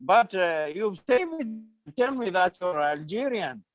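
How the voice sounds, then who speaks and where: An older man with an Iraqi accent, a retired English teacher, introducing himself haltingly with long hesitations in an online group lesson. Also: high-pitched, animated. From Iraq.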